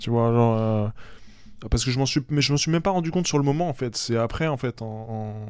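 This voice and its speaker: A man's medium-pitched voice with ordinary pitch variation at a fairly quick pace, on a very clean recording with a silent background. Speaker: surprise guest. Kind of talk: casual chat.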